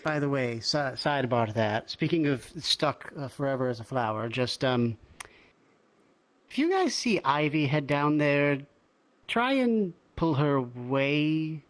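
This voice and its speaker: A roleplayer speaking in character in an improvised conversation, hesitant, halting and polite. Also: mid-range voice, big pitch swings. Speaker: roleplayer in a virtual reality game.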